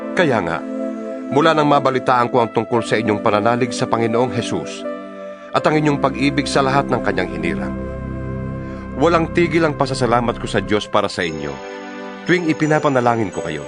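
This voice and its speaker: Male actor as fervent apostle, solemn exhortation, widely varied intonation, deliberate phrasing, dramatized audio Bible, clear music bed. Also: medium pitch, natural voice. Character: Paul the apostle, fervent letter-writer to believers. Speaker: scripture reader. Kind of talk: dramatized audio Bible reading, scripted and declamatory. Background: background music.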